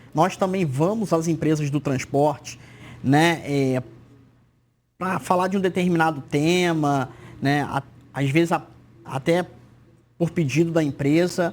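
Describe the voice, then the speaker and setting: A man talks fairly slowly in a Rio de Janeiro accent, leaving long, frequent pauses. His fairly high voice keeps a fairly even intonation. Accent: carioca (Rio de Janeiro). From Rio de Janeiro, Brazil. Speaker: regional director of a transport-sector training body. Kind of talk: TV interview.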